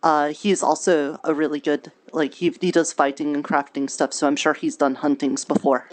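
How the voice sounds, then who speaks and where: A woman roleplaying an earnest, naive, cheerful young preacher, talking in a halting, childlike way with folksy grammar. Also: deep voice, flat delivery, a little hiss or hum, close to an everyday voice. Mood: helpful, earnest. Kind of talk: improvised virtual reality roleplay.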